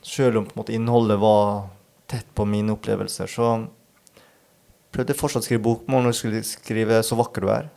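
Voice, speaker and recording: Guy with a gravelly voice, author on a podcast, slow and thoughtful, stops and restarts a lot. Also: fairly low pitch, fairly even intonation, darkish tone. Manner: thoughtful, halting, searching for words. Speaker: author interviewed as podcast guest. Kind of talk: reflective interview talk.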